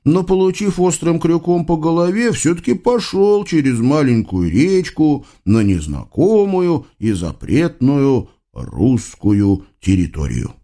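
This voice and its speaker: A man narrating an audiobook in an expressive, ironic, conversational way. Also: on the high side, measured pace, hardly any pauses.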